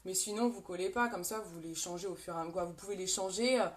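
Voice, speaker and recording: A woman's voice: lowish voice, fast talker, background noise. A French woman hosting a casual live makeup demo, chatting with viewers as she talks through products. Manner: chatty, greets viewers, frequent fillers.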